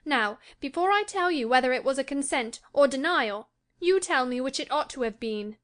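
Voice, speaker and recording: A woman's voice: sits high, lively intonation, moderate pace, a bit bright, pitched above the performer's own voice. A woman voicing a peevish, anxious young lady in an audiobook, impulsive and emphatic in her pleading. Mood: anxious, confiding. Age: young adult. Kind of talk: audiobook character acting.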